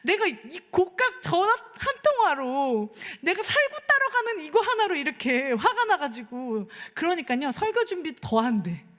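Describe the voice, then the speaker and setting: Lively high-voiced woman preaching in a church. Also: moderate pace, few pauses. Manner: conversational, asks the congregation for agreement, acts out dialogue. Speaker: pastor. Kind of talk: sermon with personal storytelling. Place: church sanctuary. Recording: long church reverb.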